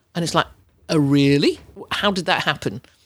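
A woman speaks with lively intonation and an English accent, recorded very cleanly against a silent background. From England. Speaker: podcast host. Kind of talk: solo reflective podcast monologue.

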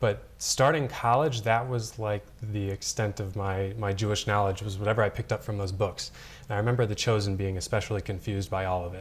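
A man with an American accent talks at a fairly quick pace in a fairly low, somewhat breathy voice. His intonation stays fairly even. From US Midwest, northern Michigan (Traverse City). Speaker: think tank director, religious convert. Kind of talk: interview, personal story.

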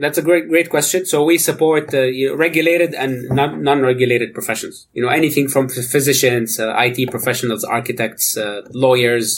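A man at medium pitch with an Arabic accent, moderate pace, ordinary pitch variation, and hardly any pauses. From Jordan (Amman). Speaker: nonprofit loan program worker, immigrant. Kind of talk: interview. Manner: halting.

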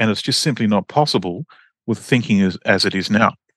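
Here a man speaks with an Australian accent at a fairly quick pace, using ordinary pitch variation. The sound is dry and close with no echo, over a quiet background. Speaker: mining engineer and geologist. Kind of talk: interview. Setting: remote call.

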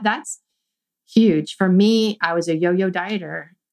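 An ordinary speaking voice from a woman, medium in pitch with ordinary pitch variation, over a quiet background. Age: 50s. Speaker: program member sharing weight-loss story. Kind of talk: interview testimony.

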